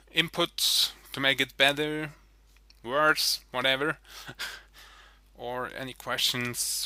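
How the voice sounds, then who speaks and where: A man with a Swiss German accent speaks very slowly in a bright, sharp tone with fairly even intonation, on a very clean recording with a silent background. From Switzerland. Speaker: gaming video commentator. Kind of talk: game commentary. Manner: halting, many fillers and repeats.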